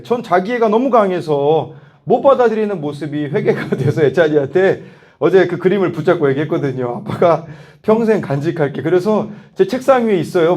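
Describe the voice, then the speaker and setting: A man in his thirties giving a lively youth sermon, telling family stories with laughter and acted-out quotes. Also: sits high. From South Korea. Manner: animated storytelling, laughs often, acts out voices in quotes. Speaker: youth pastor.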